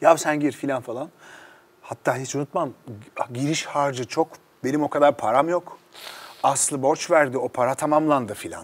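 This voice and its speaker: This man has a fairly high pitch and fairly even intonation. He keeps a moderate pace with long, frequent pauses. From Gaziantep, Turkey; Turkey. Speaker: actor and writer; actor. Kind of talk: casual chat. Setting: studio. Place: studio. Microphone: lapel.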